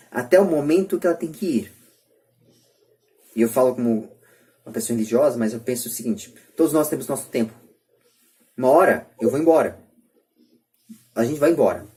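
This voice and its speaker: A man's voice: mid-range voice, mellow. A man with a São Paulo Brazilian accent giving his opinions as a podcast host in an emphatic, repetitive, rhetorical manner. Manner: emphatic, rhetorical, repeats phrases. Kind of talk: podcast debate, opinion monologue.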